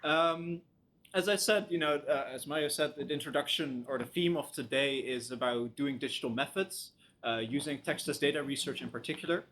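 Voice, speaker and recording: A man's voice: fairly high pitch, a little fast, fairly bright tone. Wry young male guest lecturer. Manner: self-deprecating and wry, many "um"s. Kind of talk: conversational academic lecture. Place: university lecture room.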